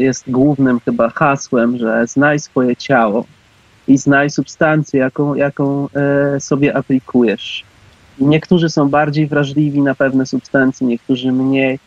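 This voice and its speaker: A man's voice: mid-range voice, dry recording. Muffled, dry-sounding male radio guest. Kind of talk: informal explanatory interview talk. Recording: dull, dry call audio.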